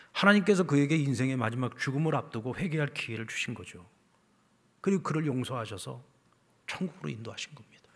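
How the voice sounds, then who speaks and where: A male pastor delivering a sermon, telling a story that swings from loud, emphatic lines down to hushed, whispered ones. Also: medium pitch, long reverb tail. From South Korea. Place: church sanctuary.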